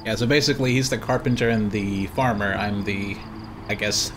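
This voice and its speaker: Man, Swedish native speaker, lowish voice, easygoing, joking, faint background noise. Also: steady tone, normal speed. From Sweden. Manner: easygoing, dry jokes, laughs often. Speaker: co-op player. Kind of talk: casual co-op gameplay chat.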